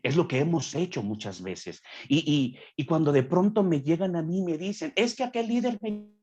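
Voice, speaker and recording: A man's voice: fairly high pitch, animated, moderate pace, a little mellow, dull audio. A young man speaking as a guest on a podcast, preaching earnestly and acting out quoted voices as he explains a point.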